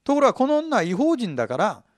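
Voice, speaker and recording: A middle-aged male pastor giving an expository Bible sermon, teaching in an animated way and asking his listeners questions. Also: very high-pitched, quick pace, no echo.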